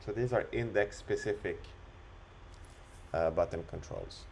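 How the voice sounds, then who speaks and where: Man demonstrating software for a tutorial. Lowish voice with gravelly fry, step-by-step delivery. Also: unhurried, slight background noise. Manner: step-by-step, instructional. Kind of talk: screen-recorded tutorial walkthrough, unscripted.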